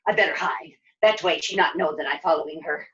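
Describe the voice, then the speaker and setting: A woman's voice: deep voice, fairly quick, fairly bright tone, pitched below the performer's own voice. A loyal puppet-show creature, played by a woman, growly and simple in speech. It is shy yet protective, speaking in broken phrases on a slightly dull, lo-fi recording. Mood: timid, hushed. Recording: dull lo-fi sound.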